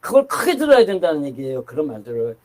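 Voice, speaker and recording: A man's voice: fairly high pitch, huge pitch swings, fast talker, darkish tone. An older man preaching a sermon in a conversational, rambling way, with asides and restarts. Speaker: pastor.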